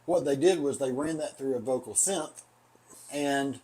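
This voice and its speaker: Middle-aged man, casual podcast co-host, rambles, swears, hedges his claims, mid pitch. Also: a little slow, mellow, husky. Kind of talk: casual chat.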